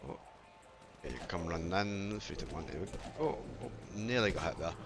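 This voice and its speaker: A low-voiced man talks through his gameplay in a loose, rambling way, stopping to correct himself and apologise. His throat is sore and close to giving out. Game music plays clearly behind him. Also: fairly quick. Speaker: gaming channel host. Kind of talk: casual gameplay commentary.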